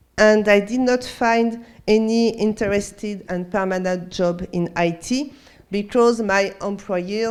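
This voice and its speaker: Speaking fairly slowly in a French accent, a woman uses a medium pitch with ordinary pitch variation. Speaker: sociologist. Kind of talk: lecture. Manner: hesitant non-native English.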